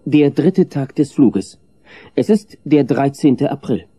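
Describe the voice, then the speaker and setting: A sober news-style narrator in a film. His voice is very dark and mellow, his reading measured, with faint music underneath. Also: mid-range voice, lively intonation, slightly rough, no room sound.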